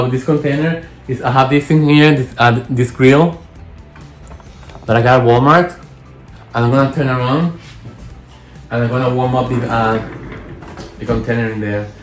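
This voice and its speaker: Man, Spanish accent, casual hands-on tutorial, rambling and self-correcting, roomy echo, faint music. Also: mid-range voice. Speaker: candle maker.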